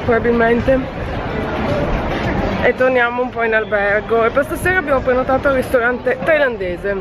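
A woman's voice: on the high side, moderate pace. A woman in her thirties, a travel vlogger talking to viewers in an upbeat, chatty way while filming herself on a phone held at arm's length. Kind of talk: casual travel vlog. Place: city streets outdoors and hotel room. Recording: busy street with crowd noise. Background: crowd and street noise.

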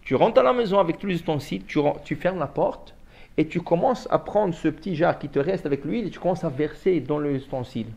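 A man's voice: fairly high pitch, expressive, fairly quick, vocal fry, darkish tone. A man, a rabbi, giving a Torah lesson, telling the story with animation and acting out the dialogue, often repeating words and restarting his phrases.

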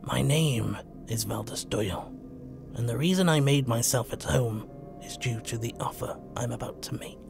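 A man voicing a calm, wry male stranger who speaks softly and half-whispers with menace. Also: medium pitch, normal speed, creaky, over music, lightly acted.

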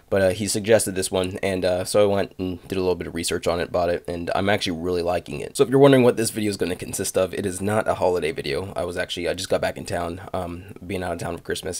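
A man's voice: low voice, no room sound. A young man with a cold and a slightly nasal voice, telling a joking, crude story over gameplay. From United States. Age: young adult. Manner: joking, crude, self-mocking asides. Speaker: gaming commentary host.

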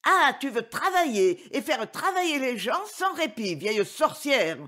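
A woman's voice: sits high, big pitch swings, a little slow, pushed and bright, pitched above the performer's own voice, full character voice. A woman voicing a bossy wild vine in a storybook reading, scolding in a raised voice. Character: bold wild vine, female, bossy and fed up.

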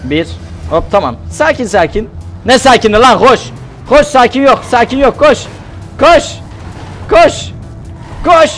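A man streaming a game live, excitable and talkative, yelping and shouting at the action while chatting to viewers. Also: very high voice, a little slow, pauses often, soft background music. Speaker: gaming streamer.

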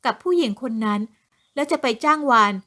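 A woman voicing a spoiled, haughty young woman who yells and protests being arrested, in a shrill, indignant tone. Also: expressive, extremely slow, full character voice. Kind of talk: audiobook character voice.

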